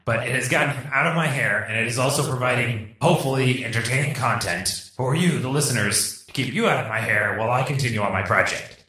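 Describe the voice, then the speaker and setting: Self-absorbed inventor played by a man, forceful tone, roomy echo. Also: medium pitch, fast talker, recorded from a distance, close to an everyday voice. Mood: smug. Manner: breezy, dismissive, self-important. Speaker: inventor host introducing the episode. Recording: roomy echo, voice a bit off-mic.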